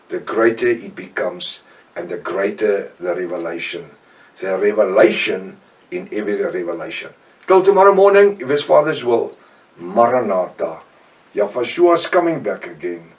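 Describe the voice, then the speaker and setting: An older South African man with an Afrikaans accent, giving an informal, earnest Bible teaching with frequent pauses and restarts. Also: lowish voice, sing-song, far from the mic. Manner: earnest, halting, with many restarts. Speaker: professor and preacher.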